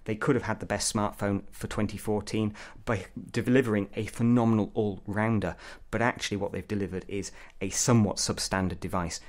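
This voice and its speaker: A man's voice: fairly low pitch, fairly even intonation, fairly quick. A man giving an opinionated, blunt product review as a tech reviewer.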